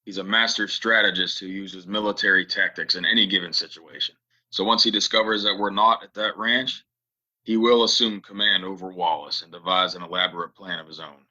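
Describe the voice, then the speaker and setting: Man playing a deep, forceful gunfighter. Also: fairly even intonation, a little fast, dull audio, full character voice. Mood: grave warning. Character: grave, strategic male gunfighter stranger. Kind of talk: audio play Western acting.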